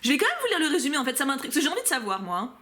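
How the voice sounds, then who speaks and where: A woman chatting casually as she unboxes a book subscription box, animated and prone to excited outbursts. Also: high voice, racing.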